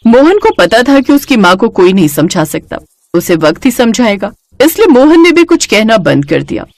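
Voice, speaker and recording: Lively woman narrating a cartoon story. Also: fairly high pitch, normal speed, no echo.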